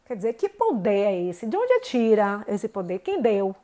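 A woman, telling a personal story to viewers in an indignant, animated way. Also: medium pitch, moderate pace. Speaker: vlogger.

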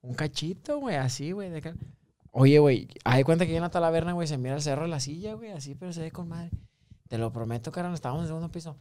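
A man's voice: a little high, fast, warm tone. A man casually telling drug anecdotes to friends, full of slang and laughter, acting out the people in them. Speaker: podcast host. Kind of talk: casual storytelling among friends.

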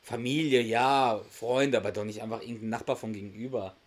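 A man's voice: medium pitch, fairly even intonation, brisk. A man hosting a podcast, casually retelling a sitcom episode, often laughing and acting out the characters' lines. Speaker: podcast host.

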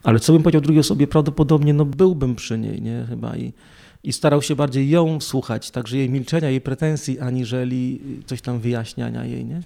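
A man's voice: mid-range voice, fairly quick, vocal fry. A man in casual religious discussion, talking thoughtfully and ending most phrases with a tag question. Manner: animated retelling with acted quotes.

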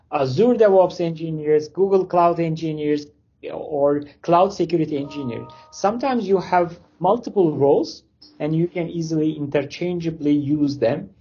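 A man from Turkey, a company founder appearing as an interview guest, answers questions in English casually, with loose phrasing and many fillers. His voice is fairly high and warm with a breathy edge, and the sound is lo-fi.

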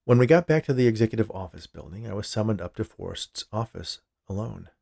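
A man's voice: on the low side, fairly quick, gravelly, dark tone, dry recording, clean studio sound. A man narrating a scripted first-person story as the storyteller of a fiction podcast.

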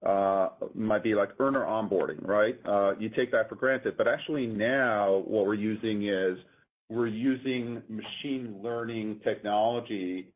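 A man speaking as a company executive, explaining things methodically and haltingly on an earnings call. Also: on the low side, fairly even intonation. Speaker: company executive answering analysts. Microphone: conference call line. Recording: muffled, narrow-band conference phone line.

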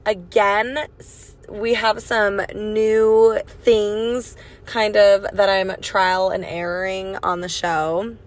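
A raspy young woman hosting a casual solo podcast, chatty and swearing freely, recorded on a phone mic in her car. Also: medium pitch, level tone, slow. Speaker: podcast host. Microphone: phone microphone.

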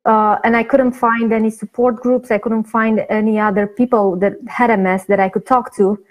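A woman from Romania, a guest answering in an interview over a video call, pausing often with fillers. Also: a little high, flat delivery, poor audio. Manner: hesitant, many fillers and restarts. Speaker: guest, patient advocate.

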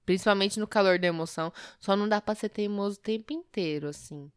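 A young woman with a São Paulo accent, chatting casually with a co-host, playful and quick to laugh. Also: mid-range voice, clear, resonant tone, dry recording, studio quality. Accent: São Paulo Portuguese. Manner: playful, laughs often, acts out quoted lines. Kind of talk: casual chat.

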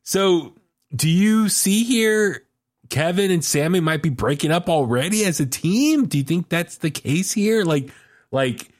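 A man's voice: fairly high pitch, expressive, measured pace. Man recapping wrestling storylines. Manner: recaps storylines, acts out quotes, asks co-host questions. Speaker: podcast co-host. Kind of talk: casual wrestling chat.

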